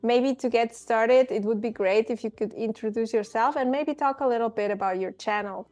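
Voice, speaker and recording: A woman hosting an interview about language learning, friendly and animated, chatting casually with her guest. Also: fairly high pitch, moderate pace, soft background music. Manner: friendly, animated, laughs easily. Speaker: host.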